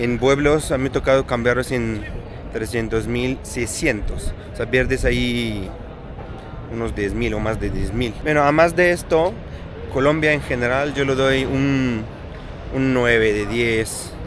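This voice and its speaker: A man talks at a very slow pace with ordinary pitch variation. The sound is dry with no echo, and background noise is noticeable. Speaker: travel vlogger. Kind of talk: casual vlog chat. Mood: relaxed, friendly. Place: street. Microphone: phone near.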